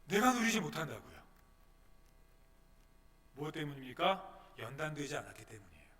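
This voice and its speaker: Male pastor, high bright voice, dramatic sermon delivery, long church-hall reverb. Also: sing-song, normal speed. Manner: dramatic, acts out the congregation's complaints in quotes. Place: church sanctuary.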